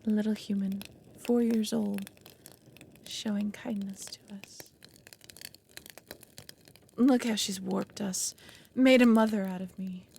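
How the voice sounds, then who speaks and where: Woman as a creaky, low-voiced, brooding she-dragon. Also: a little mellow, a little hiss or hum. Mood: tender, sorrowful. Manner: solemn, speaks of herself as "we". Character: ancient lonely female dragon, proud, brooding, reluctant foster mother. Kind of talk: dramatic audio roleplay acting.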